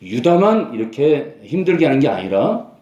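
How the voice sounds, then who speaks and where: A male pastor preaches with emphasis, repeating key phrases and climbing in pitch to drive them home. His voice is mellow and dark in timbre, and it rings out across an echoey church hall. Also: big pitch swings, moderate pace, lo-fi sound. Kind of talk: sermon.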